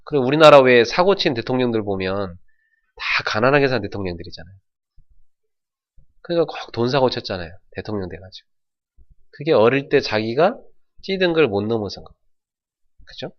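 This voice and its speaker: A middle-aged man from North Jeolla preaching a sermon as pastor, telling folksy stories and shouting out imitations. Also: mid-range voice, big pitch swings, normal speed, long pauses, highs cut off. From North Jeolla, South Korea.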